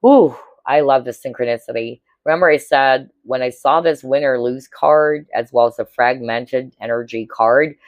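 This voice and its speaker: A woman with a hoarse, cracking voice giving a casual tarot reading to viewers, chatty and often checking in with her listeners. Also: rumbling low, normal speed, dry recording. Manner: chatty, keeps checking in with "all right?" and "okay?". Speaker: tarot reader.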